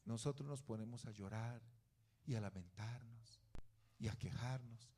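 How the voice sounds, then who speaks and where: A man's voice: medium pitch, measured pace, dark tone, breathy edge. A male pastor, preaching a sermon with rising fervor and rhetorical questions.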